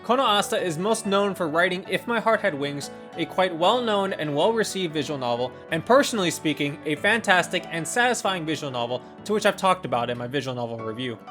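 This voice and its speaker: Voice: mid-range voice, lively intonation, fairly quick, few pauses, fairly bright tone. A video reviewer reading a scripted first-impressions narration in an enthusiastic, opinionated manner. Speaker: video game reviewer and host. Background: guitar and instrumental music.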